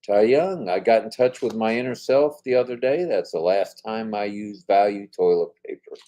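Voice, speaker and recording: A man's voice: lowish voice, moderate pace, warm tone. An older man co-hosting a casual live-stream chat, reading viewer comments aloud in an upbeat, chatty way.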